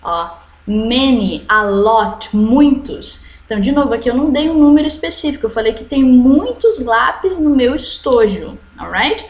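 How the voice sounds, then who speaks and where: Woman, Brazilian accent, English teacher, online class for kids, slow model sentences, roomy echo. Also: fairly high pitch, expressive. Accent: Brazilian Portuguese. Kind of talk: online English lesson for children. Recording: echoey room.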